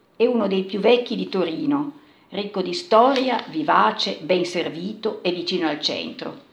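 A woman speaking fairly slowly with lively intonation, over noticeable background noise. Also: medium pitch for a woman. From Turin, Italy. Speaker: neighbourhood resident. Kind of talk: personal testimony.

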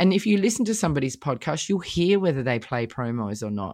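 At a fairly quick pace, a woman talks with an Australian accent. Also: quiet background. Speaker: author and podcaster. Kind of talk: interview.

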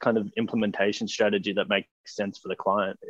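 With an Australian accent, a man speaks at a fairly quick pace and a fairly low pitch. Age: 20s. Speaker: videographer and business founder. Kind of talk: interview.

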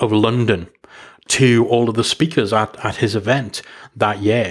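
A man's medium-pitched voice with a British accent and fairly even intonation. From Britain. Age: adult. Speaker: podcast host. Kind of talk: solo review monologue. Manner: casual, hesitant with fillers.

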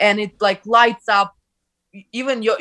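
Bright, sharp tone from a woman with a Ukrainian accent, fairly high pitch, ordinary pitch variation, and a moderate pace. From Ukraine. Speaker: spiritual podcaster and poet. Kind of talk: casual chat.

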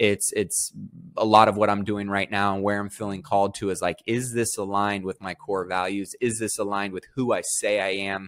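Speaking at a fairly quick pace, a man with a fairly low pitch comes through on a very clean recording with a silent background. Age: 30s. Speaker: real estate investor and agent. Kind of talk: interview. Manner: energetic.

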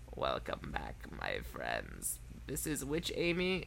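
Using a put-on character voice, a woman speaks at a very slow pace over clear background noise. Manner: spooky.

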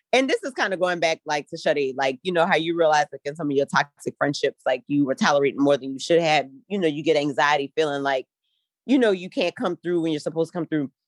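A woman talks very fast in a very deep, low voice. Her pitch moves in an ordinary way, and the sound is dry and close with no echo. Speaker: podcast host. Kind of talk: casual chat.

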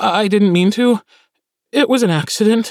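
A man puts on a squeaky character voice with a high pitch. He keeps a moderate pace and ordinary pitch variation.

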